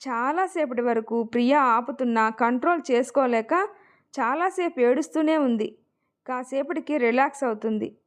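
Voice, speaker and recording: A woman tells a family love story as scripted narration, steady and expressive. Her voice sits notably high. She is a storytelling host. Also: normal speed.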